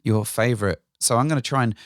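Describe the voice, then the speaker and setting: A man's voice: mid-range voice, quick pace, no room sound, clean studio sound. A man co-hosting a podcast in casual chat, with a joking, rambling manner. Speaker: podcast co-host.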